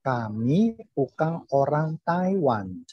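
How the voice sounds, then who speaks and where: A man learning a language, carefully and haltingly reciting drill sentences over an online call. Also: fairly high pitch, very animated, slightly rough. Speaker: language student. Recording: dull, roomy online call recording.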